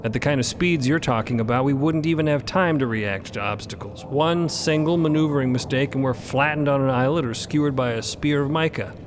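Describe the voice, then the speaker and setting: A man's voice: medium pitch, brisk, few pauses, background noise, close to an everyday voice. A man voicing a stern, cautious female ship's doctor in an audio drama, arguing in precise, formal terms. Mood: skeptical, exasperated.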